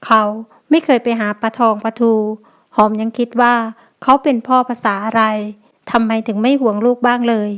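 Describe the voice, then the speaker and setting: A woman reading the lines of a young mother in an audio novel, soft and earnest. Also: on the high side, fairly even intonation, normal speed, smooth, natural voice. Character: young mother, wary but kind-hearted.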